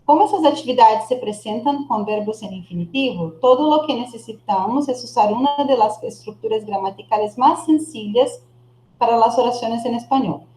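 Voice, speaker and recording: A fairly high-voiced woman teaches over a video call and sounds a little echoey in her room. She is a patient, encouraging Spanish teacher from Brazil. She models words slowly and repeats them for her student. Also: mellow, slight background noise. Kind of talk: online class, coaching a student's pronunciation.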